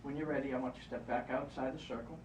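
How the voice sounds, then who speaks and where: A hypnotist guiding a volunteer through a live exercise, repeating encouraging instructions. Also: male voice, mid-range voice, fairly even intonation, rapid-fire, background noise. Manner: coaching, repetitive, encouraging. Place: event room. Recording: roomy, distant, muffled live event recording.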